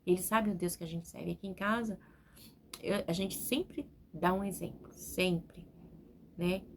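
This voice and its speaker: A little slow and lowish in voice, this woman in her forties preaches from home, sharing a talkative, spontaneous testimony sermon full of "né?". A little hiss or hum runs under the recording.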